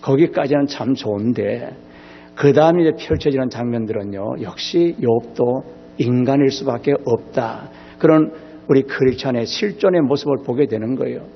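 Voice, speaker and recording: A man preaching a revival sermon as pastor, emphatic, swinging between loud exclamations and soft low asides. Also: moderate pace, gravelly, big-room sound, highs cut off, slight background noise. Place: church sanctuary.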